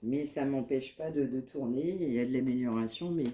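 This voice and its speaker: Dark-voiced woman with a head cold. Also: a bass voice, slight background noise. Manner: calm, repetitive, measured phrasing. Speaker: medium giving a card reading. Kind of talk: spoken psychic reading to viewers.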